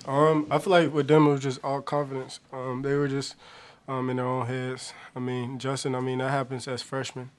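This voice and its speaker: Hesitant young man with a flat tone. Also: medium pitch, moderate pace, hardly any pauses. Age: young adult. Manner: soft-spoken, many hesitant ums. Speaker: college basketball player. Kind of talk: postgame press conference answers. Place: press room, seated at table. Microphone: table mic on stand.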